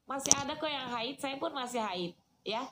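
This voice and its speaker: A woman, giving a lively, chatty sermon and answering questions from the audience. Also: high-pitched, moderate pace, noisy background. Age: 40s. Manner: chatty, teasing, addresses listeners as "Kak". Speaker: Islamic preacher.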